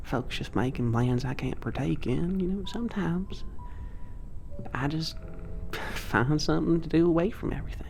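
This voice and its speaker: A man's voice: fairly high pitch, moderate pace, gravelly, darkish tone, faint music behind. A man voicing a shy, lonely young male giant who speaks in folksy, hesitant phrases. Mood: wistful. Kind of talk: ASMR audio drama.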